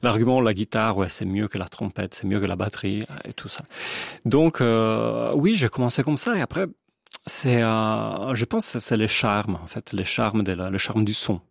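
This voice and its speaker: A man's voice: fairly low pitch, moderate pace, gravelly, no echo, clean studio sound. A young Italian man with an Italian accent, a guest in a radio interview, speaking French hesitantly with many fillers and restarts. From Italy. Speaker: guest musician.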